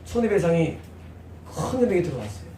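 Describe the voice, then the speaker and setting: A man with a high voice preaches an expository sermon in a church hall. He throws out loud, emphatic questions and then drops to hushed prayer. The sound is roomy and distant, with faint background noise. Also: big pitch swings, a little fast. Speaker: pastor.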